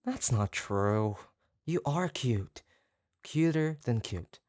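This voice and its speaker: An actor playing an obsessive, doting yandere kidnapper in a roleplay audio drama, halting and coaxing, tender yet menacing. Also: mid-range voice, lively intonation, a little mellow, no echo, studio quality. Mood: doting, gushing. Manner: halting, gushing, coaxing, with nervous stammers. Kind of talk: roleplay audio drama, intimate one-sided monologue.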